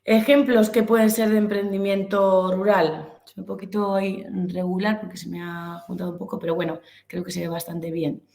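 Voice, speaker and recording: This Castilian Spanish speaker from Albacete, Castilla-La Mancha, is a business instructor presenting an informal webinar, hesitant and searching for words. Her medium-pitched voice is flat, a little mellow, with vocal fry, moderate pace, and hardly any pauses. The recording has echoey room sound.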